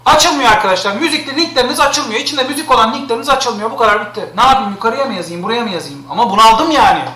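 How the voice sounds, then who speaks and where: A man's voice: very high voice, expressive, rapid-fire, echoey room, a crowd in the background. A man streaming live, complaining in an exasperated way and repeating himself.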